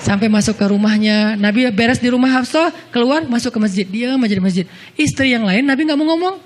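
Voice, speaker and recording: A male preacher retells a story in a very high voice with a lively telling. He acts out the dialogue of every figure himself, sometimes soft and slow, sometimes loud and fast. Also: a little hiss or hum. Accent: Indonesian. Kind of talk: storytelling sermon.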